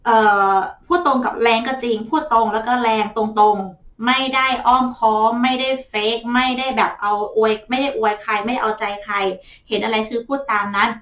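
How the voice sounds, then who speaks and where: A woman tarot reader chatting casually and frankly to her viewers as she draws cards, softening her talk with many polite particles. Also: a little high, steady tone, normal speed, few pauses, distant mic. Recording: echoey room, voice off-mic.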